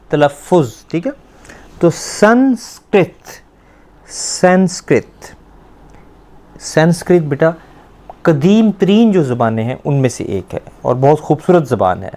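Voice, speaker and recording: A man teaching a language lesson, explaining step by step, repeating words slowly and quizzing a student. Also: on the high side, warm tone.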